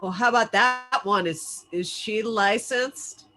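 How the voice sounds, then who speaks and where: A woman's voice: fairly high pitch, slow, pushed and bright. A woman playing a brash, clueless, crude and defensive young American man in a screenplay table read. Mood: cocky.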